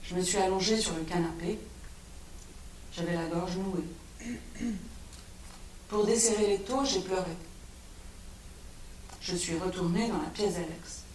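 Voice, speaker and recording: A woman author reading her own text aloud on stage, moving between hushed narration and raised, urgent dialogue. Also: on the low side, unhurried, pauses often, slight background noise. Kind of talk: live literary reading. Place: stage of a literary venue. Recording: roomy, distant live stage recording.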